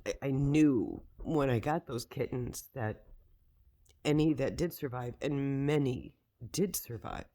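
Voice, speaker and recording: A man giving an unscripted personal explanation in a halting, rambling way. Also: mid-range voice, dark tone.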